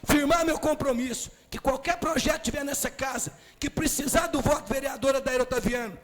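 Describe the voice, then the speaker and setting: A Brazilian city councilman with a Minas Gerais accent giving a forceful, emphatic speech in the council chamber, often raising his voice. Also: very high-pitched, fairly quick, slight background noise. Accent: Brazilian Portuguese, Minas Gerais. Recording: reverberant chamber with faint music.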